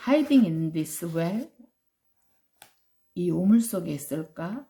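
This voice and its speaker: A woman's voice: on the low side, expressive, drawn-out words, mellow, exaggerated voice. Woman doing a sly sweet-talking tiger. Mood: searching. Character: sly male tiger faking a mother's voice.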